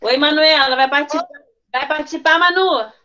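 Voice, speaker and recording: A woman's voice: high voice, brisk, pushed and bright. A woman teacher running an online class for young children, coaxing and prompting pupils by name over a video call. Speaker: first-grade teacher. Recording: dull lo-fi video call audio.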